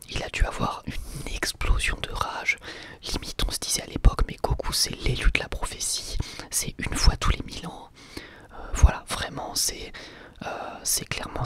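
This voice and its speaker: A young man with a French accent whispering an ASMR question-and-answer session up close to the mic, rambling and enthusiastic with many fillers. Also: mid-range voice. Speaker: ASMR channel host. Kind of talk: whispered ASMR Q&A about anime.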